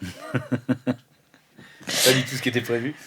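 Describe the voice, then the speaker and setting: A man's voice: mid-range voice, normal speed, noisy background. A man chatting casually as a player in an improvised tabletop game.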